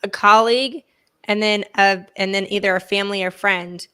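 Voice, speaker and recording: A woman with a hoarse voice from laryngitis, speaking as a guest author in an earnest, reflective interview, thinking aloud as she goes. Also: medium pitch, steady tone, moderate pace, bright, forceful tone.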